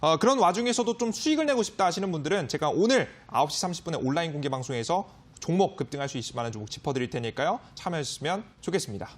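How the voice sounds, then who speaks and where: A man's voice: on the high side, lively intonation, rapid-fire, hardly any pauses. A man giving a stock market lecture as a guest expert on a finance broadcast, emphatic, with frequent fillers.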